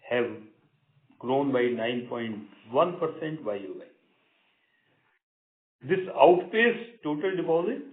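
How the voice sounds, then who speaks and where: Male bank executive, Indian accent, formal measured read of prepared results, thin phone-line audio with room echo. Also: mid-range voice. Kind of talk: formal prepared earnings-call remarks. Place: conference call line. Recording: roomy, narrow phone-line sound.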